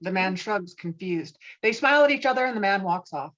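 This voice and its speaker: A woman's voice: mid-range voice, animated, fairly quick, a bit bright. A woman reading scripted stage directions as narrator at a table read, slightly muffled as on a video call.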